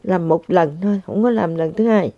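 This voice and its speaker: An older woman giving an emotional, halting spiritual testimony to listeners, often repeating herself. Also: fairly low pitch, dark tone, dry recording. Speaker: religious practitioner sharing testimony. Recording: dull lo-fi sound.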